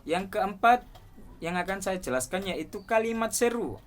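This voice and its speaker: A man's voice: high-pitched, animated, normal speed. A young man, a student, reading a class presentation aloud and steadily listing points one by one. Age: young adult.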